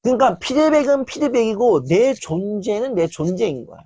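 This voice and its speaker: A woman giving a motivational lecture in a lively, animated way, often acting out quotes. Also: on the high side, moderate pace, slightly rough, no echo. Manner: animated, acts out quoted lines.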